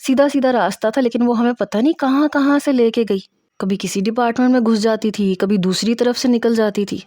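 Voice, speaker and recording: Mellow, higher-pitched woman narrating a story. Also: no room sound, studio quality. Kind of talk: scripted first-person story narration.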